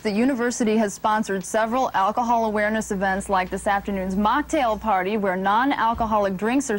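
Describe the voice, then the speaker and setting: A woman with an American accent reading a scripted local newscast in a measured, formal anchor's delivery. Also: mid-range voice. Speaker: TV news anchor. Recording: old TV broadcast with background noise.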